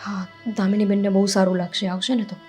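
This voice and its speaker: A woman playing a caring sister-in-law who coaxes and pleads gently, with faint music in the background. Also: mid-range voice, flat delivery, quick pace, lightly acted. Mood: coaxing. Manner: pleading, coaxing. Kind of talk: family drama acting.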